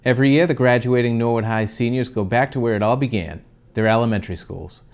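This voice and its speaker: A man anchoring a local community news program, reading a scripted report. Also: medium pitch. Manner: steady, measured delivery.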